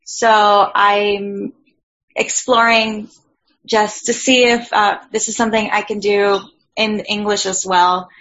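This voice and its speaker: A woman's voice: medium pitch, level tone, takes it slowly, fairly bright tone. A woman from Cuba with a Cuban Spanish accent, a Spanish-speaking voiceover student introducing herself in an online class, earnest and a little hesitant. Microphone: video call. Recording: dull, lo-fi video call audio.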